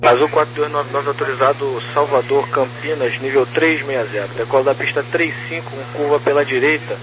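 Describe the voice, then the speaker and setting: A male air traffic controller with a mid-range voice gives clipped procedural instructions at a fairly quick pace over a walkie-talkie style two-way radio. The lo-fi sound is noisy, full of loud hum and static.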